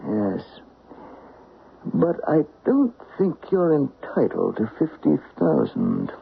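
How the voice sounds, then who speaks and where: A man's voice: mid-range voice, wildly swooping pitch, slow, vocal fry, exaggerated voice. A man playing a hard, businesslike jewel thief in a radio mystery, speaking tersely and bluntly. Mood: hard bargaining. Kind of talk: old-time radio mystery acting. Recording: muffled vintage radio broadcast, faint hiss.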